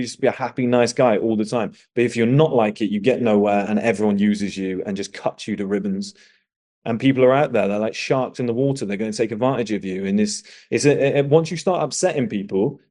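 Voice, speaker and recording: A man with a dark, mellow voice hands out blunt life advice, swearing freely and pressing his points hard. His pitch sits in an ordinary middle range. He talks like a host lecturing a guest.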